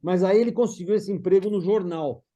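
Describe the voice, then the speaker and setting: A man with a dark, relaxed tone, pitched slightly high. He talks informally about the past, pausing and restarting, often adding small tags to check agreement. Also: muffled recording. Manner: halting, frequent checking tags. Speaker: guest recalling family history. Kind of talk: casual reminiscing conversation.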